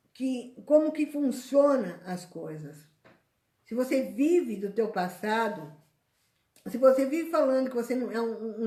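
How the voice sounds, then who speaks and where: A woman preaching a sermon in an animated way, acting out the complaints of other people. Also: fairly high pitch. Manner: animated, acts out complaining voices. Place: church hall. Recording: echoey church room.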